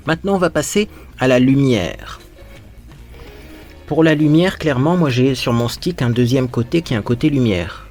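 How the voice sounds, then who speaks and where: A man's voice: medium pitch, a little mellow. A man hosting a casual makeup tutorial, chatting playfully to viewers while he applies his makeup and dropping in little sound words.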